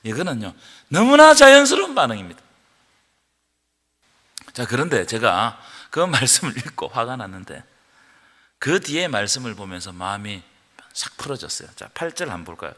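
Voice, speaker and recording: A man preaching a Friday prayer meeting sermon, rising to loud, impassioned outbursts and prompting his congregation to answer. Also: mid-range voice, sing-song, moderate pace, long pauses. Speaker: pastor. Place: church sanctuary. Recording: long reverb of a church hall.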